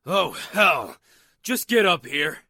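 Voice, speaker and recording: A man playing a gruff, suspicious rural rifleman in an audio drama, folksy and threatening, easily rattled. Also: on the high side, sing-song, takes it slowly, pushed and bright, dry recording, studio quality, full character voice. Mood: impatient, threatening. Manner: folksy, threatening, barking orders.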